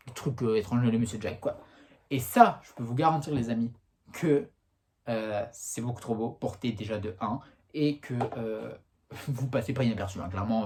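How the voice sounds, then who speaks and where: A young man talks his way through a casual vlog, chatty and full of slang, with lots of little fillers. His voice is mellow and warm, and his pitch jumps up and down as he talks. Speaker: YouTuber. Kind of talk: casual vlog, showing off clothes.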